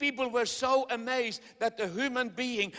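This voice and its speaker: A man with an extremely high pitch uses a raised, projected voice at a fairly slow pace. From China. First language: Chinese. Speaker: preacher. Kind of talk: sermon. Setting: church stage with audience. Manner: loud.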